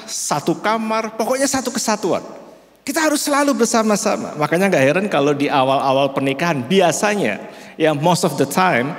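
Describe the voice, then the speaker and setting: A middle-aged male pastor with a Central Javanese accent preaches in a slow, measured way and keeps addressing his listeners directly. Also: fairly high pitch. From Central Java, Indonesia. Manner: slow, measured delivery, often calls listeners "brother". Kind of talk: sermon. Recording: reverberant church hall.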